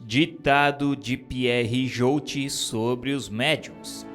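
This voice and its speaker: A man reading spiritist dictations aloud in a solemn, declamatory style, with slow, emphatic stresses. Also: medium pitch, fairly even intonation. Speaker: reader of spiritist texts. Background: soft background music.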